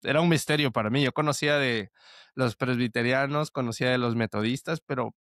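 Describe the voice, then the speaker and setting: A man's voice: mid-range voice, fairly quick, fairly bright tone, no echo, studio quality. A young man telling his story as a podcast guest, earnest and full of restarts. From El Salvador. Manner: earnest, with frequent restarts and fillers like "este". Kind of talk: conversational testimony.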